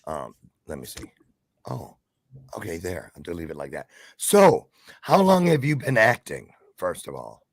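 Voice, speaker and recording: A man's voice: low-pitched, big pitch swings, unhurried, dry recording, clean studio sound. A man hosting a casual online talk show, chatty and upbeat with a playful, showman-like way of talking.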